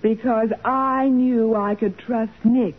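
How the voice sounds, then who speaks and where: An actress playing a plucky, feisty young detective's assistant, spirited and easily indignant, in a 1940s radio drama. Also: female voice, on the high side, steady tone. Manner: indignant, spirited, halting when flustered. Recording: narrow-band, faintly noisy 1940s radio recording.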